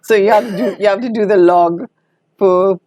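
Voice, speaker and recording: A woman's voice: mid-range voice, normal speed, mellow, no room sound. An older woman with a Trinidadian accent reminiscing conversationally in an interview, telling anecdotes expressively as a veteran broadcaster.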